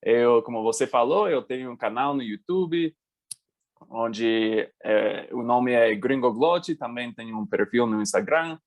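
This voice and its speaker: Guest voice: American man, native English speaker, mid-pitched, halting second-language delivery. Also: expressive. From United States. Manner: halting, restarts words while searching. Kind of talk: casual interview.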